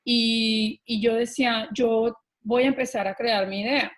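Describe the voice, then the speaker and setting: Speaking Colombian Spanish in a slightly high register, a middle-aged woman recounts her own life story during a podcast interview. Her delivery is lively and sincere, frequently broken by filler pauses such as "eh" and "este."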